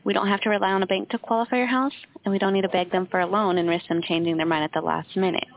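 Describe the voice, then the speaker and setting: A woman working as a home buyer's phone agent, delivering a steady, rehearsed sales pitch. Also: rapid-fire. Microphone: telephone. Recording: tinny phone line with clear hiss.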